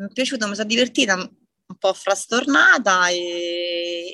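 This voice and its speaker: The voice has a bright, sharp tone and ordinary pitch variation at a very slow pace. The sound is dry and close with no echo. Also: woman. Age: 40s. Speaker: CrossFit athlete. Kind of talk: casual interview.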